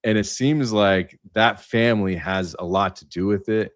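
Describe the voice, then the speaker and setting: A man speaking as a panelist in a livestream discussion, rambling and tentative as he thinks out loud. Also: fairly low pitch, no echo, clean studio sound. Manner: halting, tentative, thinking aloud.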